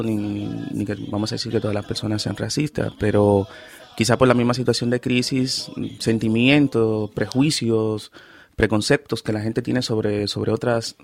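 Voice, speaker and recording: A man speaking as a radio guest in a casual, halting way, often restarting his phrases. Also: fairly low pitch, darkish tone. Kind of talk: casual radio interview answer.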